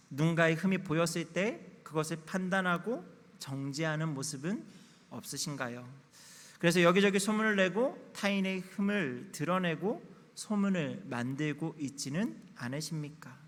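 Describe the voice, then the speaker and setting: Thirties male pastor, slightly high voice, candid confessional sermon, church reverb. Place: church sanctuary.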